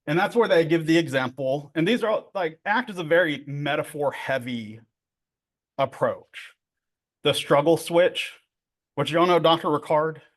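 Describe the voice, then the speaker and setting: A man's voice: on the high side, measured pace. Middle-aged man teaching casually. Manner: conversational, joking, many fillers and tag questions. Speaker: therapy trainer. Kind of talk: casual workshop lecture.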